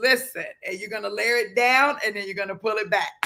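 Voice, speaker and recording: Over music in the background, a man with a Baltimore accent talks in a raised, projected voice with an animated tone. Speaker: business coach. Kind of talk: livestream coaching talk.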